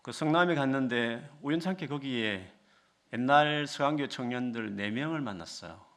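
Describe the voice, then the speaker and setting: A man's voice: medium pitch, lively intonation, normal speed, fairly bright tone. A man in his fifties, a visiting missionary, greeting a church congregation in a chatty, self-deprecating way. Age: 50s. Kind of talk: sermon greeting.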